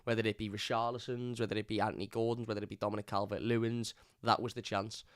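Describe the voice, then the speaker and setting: A hoarse man, hosting a live fan review and ranting bluntly. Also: on the low side, little pitch movement, quick pace, dry recording, clean studio sound. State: hoarse from lost voice. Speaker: fan channel host. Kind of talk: live stream match review.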